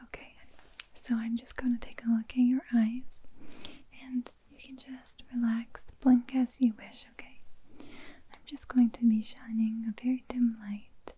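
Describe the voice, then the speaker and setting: A woman performing an ASMR medical roleplay as a doctor, speaking in a soft, breathy whisper with a gentle, reassuring, unhurried manner. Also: on the high side, level tone, poor audio.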